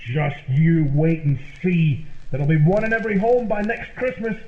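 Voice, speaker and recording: A man playing a boastful, self-deluded amateur artist flatmate in an old-time radio comedy, declaiming pompously. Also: a little high, normal speed, lightly acted. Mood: grandiose. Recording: tinny, roomy lo-fi radio sound with hiss.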